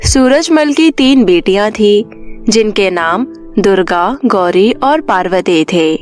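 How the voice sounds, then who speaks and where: A woman's voice: mid-range voice, expressive, slow pace, soft background music. A woman storyteller giving scripted narration for a cartoon moral story.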